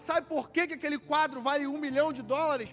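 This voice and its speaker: A man's voice at an extremely high pitch. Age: 30s. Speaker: pastor. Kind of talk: sermon.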